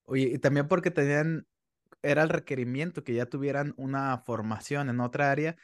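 A man's voice: mid-range voice, fairly even intonation, a little fast, dry recording. A man hosting an interview podcast, chatting informally and casually with his guest.

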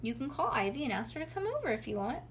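A woman voicing a patient mother, calm and reassuring but firm, in a children's story. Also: high voice, fast, a little hiss or hum, pitched above the performer's own voice. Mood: soothing.

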